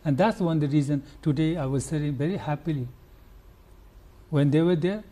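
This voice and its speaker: An older Nepali man with a Nepali accent, a conservationist answering interview questions earnestly and haltingly, with restarts and fillers. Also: a little high, mellow. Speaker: conservationist guest.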